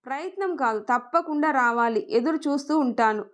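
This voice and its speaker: A woman's voice: high-pitched, moderate pace, lightly acted. A woman voicing a playful young husband in a story, speaking in a coaxing, affectionate way.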